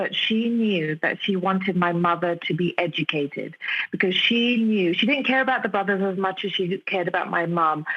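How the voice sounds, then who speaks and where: This woman speaks at a moderate pace and a medium pitch. Her pitch varies in an ordinary way. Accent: London. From London, England. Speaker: guest, former lawyer turned photographer. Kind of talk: interview conversation.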